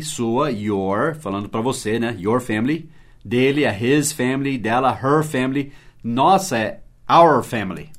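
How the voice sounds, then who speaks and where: A man from Brazil teaching English in a podcast lesson, explaining patiently, spelling words letter by letter and often checking that the listener follows. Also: mid-range voice. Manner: asks frequent rhetorical checks.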